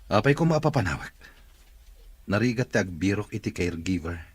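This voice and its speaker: A man playing a stern, demanding employer in a radio drama, with a husky, grumbling delivery. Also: fairly low pitch, very animated, a little fast, dry recording. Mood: grumbling, businesslike. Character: well-off demanding male employer seeking a caregiver.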